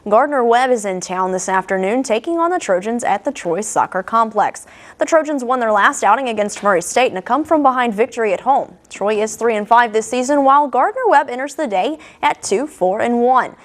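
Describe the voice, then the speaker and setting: A woman's voice: fairly high pitch, lively intonation, a little fast. A young woman delivering an upbeat scripted sports rundown on a student newscast. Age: young adult. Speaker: sports reporter. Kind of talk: sportscast reading.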